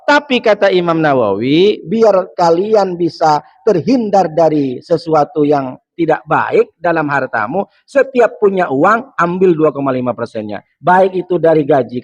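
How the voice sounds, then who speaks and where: A male preacher giving a joking, lively sermon, asking the audience questions and rising in emphatic bursts. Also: high-pitched, dry recording. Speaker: preacher, ustadz. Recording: dull, dry lo-fi sound.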